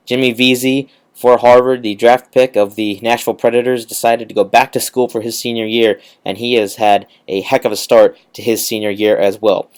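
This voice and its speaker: A man's voice: medium pitch, clear, resonant tone. A young man hosting a college radio sports show, delivering a recap in an announcer style straight to listeners. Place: radio studio, alone.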